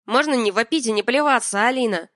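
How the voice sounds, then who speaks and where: A woman's voice: a little high, fairly quick, fairly bright tone, no room sound, studio quality, natural voice. A woman voicing a smug, sneering man, a soon-to-be ex-husband, in an audiobook. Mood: pushy.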